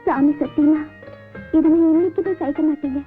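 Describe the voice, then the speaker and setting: A woman's voice: high-pitched, fairly even intonation, moderate pace, lightly acted. An actress playing an anxious, devoted young village woman in love, speaking in a pleading, emotional way in an old film drama. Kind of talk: 1990s film drama dialogue. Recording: tinny old film soundtrack with music.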